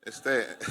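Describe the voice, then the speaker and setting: A man with a Mexican accent, a pastor preaching a sermon and telling stories as he asks the congregation to respond. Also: sharp tone. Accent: Mexican Spanish. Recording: long hall reverb.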